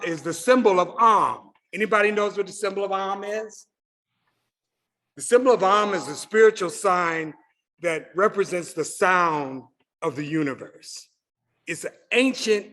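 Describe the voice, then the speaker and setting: A man at a club meeting telling earnestly how he came to carve a peace pole. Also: fairly high pitch. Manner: earnest, animated, leads call-and-response. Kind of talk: informal storytelling talk to a meeting. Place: meeting hall. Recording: reverberant hall.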